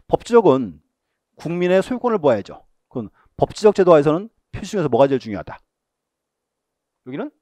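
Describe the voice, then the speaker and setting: Once more, the exam-prep lecturer asks his own questions and supplies the answers, repeats key terms, and points out what students should mark in the book. His voice is slightly high and dark, with no room sound.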